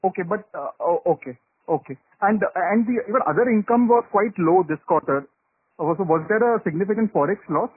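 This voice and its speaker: A husky, somewhat high-pitched man is heard through a narrow phone connection. He puts questions to management as an analyst on an earnings call. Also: animated, a little fast. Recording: tinny narrowband phone line.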